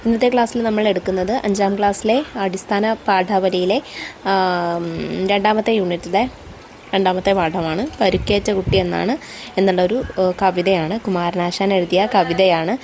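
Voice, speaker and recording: A woman teaching an online class for children, asking them questions and reciting lines of a poem slowly. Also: mid-range voice, steady tone, darkish tone, slight background noise.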